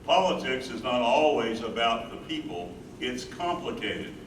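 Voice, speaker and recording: A man playing a concerned, gentle, supportive husband in a staged play reading. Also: medium pitch, expressive, measured pace, distant mic, natural voice. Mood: weary. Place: live staged reading in a room. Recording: echoey, noisy room from afar.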